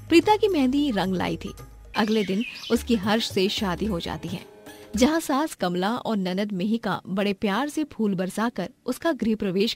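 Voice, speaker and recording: A woman's voice: mid-range voice, a little mellow. A woman with an Indian accent giving scripted story narration.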